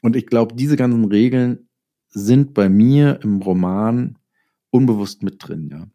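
A man's voice: medium pitch, measured pace, highs cut off. A man explaining his craft as a writer in a casual interview, using worked examples. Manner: explains with hypothetical examples and acted-out quotes. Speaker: interviewed writer and audio drama maker.

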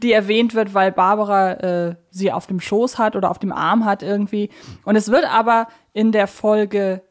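Woman co-hosting a podcast, chatty fan talk, explains her reasoning, medium pitch. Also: fairly even intonation, moderate pace. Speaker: podcast co-host. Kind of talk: casual fan discussion.

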